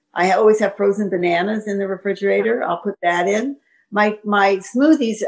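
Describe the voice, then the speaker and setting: A woman's very fast speech with fairly even intonation. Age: 80s+. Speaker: cookbook author. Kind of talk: interview.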